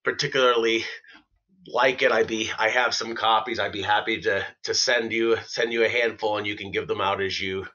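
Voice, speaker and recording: Low-key guy chatting on a podcast, soft and hesitant, kinda dull audio. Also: steady tone. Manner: soft-spoken, halting with fillers. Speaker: guest musician and writer. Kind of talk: casual podcast conversation.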